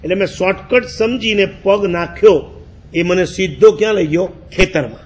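A man's voice: sits high, normal speed, a little hiss or hum. A man, a Jain monk telling a story in a sermon, acting out his own past words and laughing as he goes.

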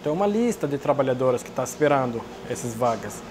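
Man in his thirties, halting speech. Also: medium pitch, expressive, background noise. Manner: simple, halting non-native speech. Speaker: refugee interviewee. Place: restaurant. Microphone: lapel.

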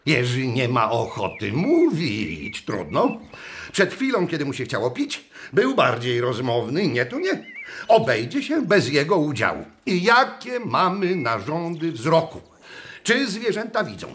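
Casting: theatrical schoolmaster, high voice, slow deliberate pace, pedantic radio-play manner. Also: male voice, wildly swooping pitch, fairly bright tone, a little hiss or hum, exaggerated voice. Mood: pedantic, needling. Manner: theatrical, questioning classroom delivery. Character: agitated schoolteacher, Mr Laurent, pedantic and darkly cheerful. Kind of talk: radio drama acting.

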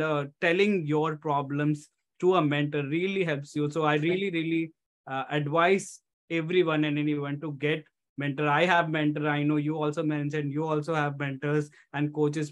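Higher-pitched Indian-accented man, interviewed. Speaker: guest coach and author. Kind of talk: conversational interview answers. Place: home room on a video call. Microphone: headset.

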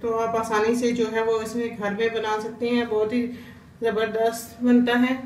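Pakistani woman, cooking host, fairly high flat voice, echoey kitchen far from the mic. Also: unhurried. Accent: Urdu-speaking Pakistani. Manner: homely, repeats filler "jo hai" constantly. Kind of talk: step-by-step recipe narration. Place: home kitchen. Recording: echoey, distant kitchen recording with faint hiss.

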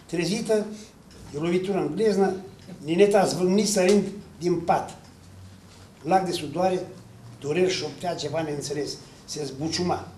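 Man narrating from far off in a hall. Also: on the high side. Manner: expressive narration. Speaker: storyteller. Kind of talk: humorous story reading. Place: cultural center hall. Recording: echoey hall from far off, faint noise.

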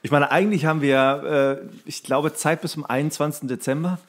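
A man's voice: on the high side, steady tone, brisk. A man chatting casually as a co-host on a podcast.

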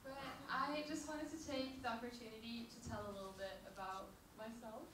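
A young woman from Norway shares her story in short, paused sentences, her voice a little high. She speaks into a handheld mic on a small club stage, recorded from a distance in a very echoey room with clear noise behind her. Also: fairly even intonation. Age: 20s. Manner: pauses after each sentence. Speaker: speaker sharing her testimony. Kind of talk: personal testimony in short phrases for an interpreter. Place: small dark music venue stage. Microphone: handheld microphone. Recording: roomy, noisy venue, from far off.

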